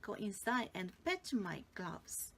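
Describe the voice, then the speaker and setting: A woman with a Korean accent voicing a nervous, hurried male white rabbit from a storybook. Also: mid-range voice, very animated, creaky, fairly bright tone, a little hiss or hum, full character voice.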